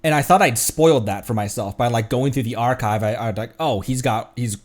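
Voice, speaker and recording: A man's voice: medium pitch, fairly quick. Rambling male game streamer. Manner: rambling, musing, often repeats phrases. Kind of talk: casual game stream commentary.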